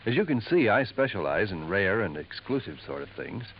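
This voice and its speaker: An actor playing a smooth, confiding male jeweler who drops insinuating hints in a 1950s radio drama, on a dull old recording. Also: fairly low pitch, big pitch swings, a little fast, slight background noise.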